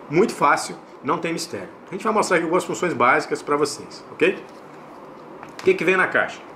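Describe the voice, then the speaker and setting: With a Brazilian Portuguese accent, a man hosts a casual unboxing and product review, walking through it step by step while repeating himself and tossing in little tag questions to check in. His medium-pitched voice is bright and forceful, with a slight hiss or hum on the recording.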